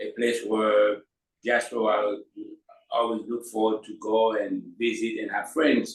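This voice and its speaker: A man speaks with a Haitian accent. His pace is fairly slow. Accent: Haitian Creole. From Haiti, Croix-des-Bouquets. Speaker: pastor and evangelist. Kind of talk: interview.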